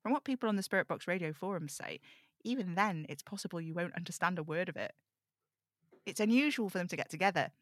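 A woman's voice: lowish voice, lively intonation, fast, dry recording, clean studio sound, natural voice. A woman playing a rambling, fretful young amateur occult investigator in an audio drama table read, chatty and self-interrupting, confiding in her listeners. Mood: wry, resigned.

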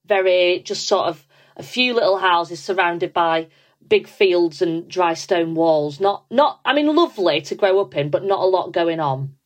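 A woman's voice: lowish voice, lively intonation, measured pace. Yorkshire woman, comedian on a podcast, rambly storytelling, lots of likes and ums. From Yorkshire, England. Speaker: comedian guest. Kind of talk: casual podcast chat.

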